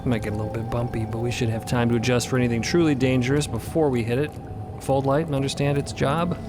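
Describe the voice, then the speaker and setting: A man's voice: mid-range voice, fairly even intonation, fast talker, close to an everyday voice. A man playing an earnest, practical crew member who explains things casually in an audio drama. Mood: upbeat, practical. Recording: loud music behind.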